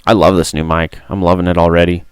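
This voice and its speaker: A tired, hoarse man with a gruff, rough voice streaming a game, chatting and muttering to himself on a close mic. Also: low voice, level tone, quick pace, no echo, faint music behind. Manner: mutters to himself while playing. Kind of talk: casual gameplay stream chat. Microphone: close studio mic.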